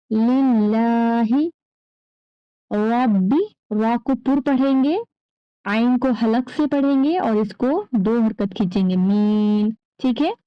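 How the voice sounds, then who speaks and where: Slow, patient woman teaching recitation. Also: fairly high pitch, clean tone, no room sound, highs cut off. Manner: patient, drawn-out syllables when reciting. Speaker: religious teacher for young children. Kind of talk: slow recitation lesson with repetition.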